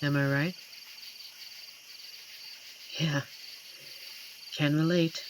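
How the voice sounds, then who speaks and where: A performer voicing an amiable, shy werewolf forest protector in a roleplay audio drama, speaking gently and hesitantly with earnest pauses. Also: medium pitch, little pitch movement. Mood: tender. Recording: noisy track with night cricket ambience. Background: crickets and night forest insect ambience.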